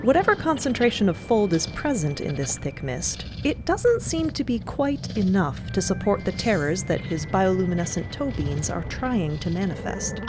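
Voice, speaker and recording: A woman's voice: medium pitch, sing-song, moderate pace, few pauses, over music. A woman delivering scripted narration for an audio drama podcast.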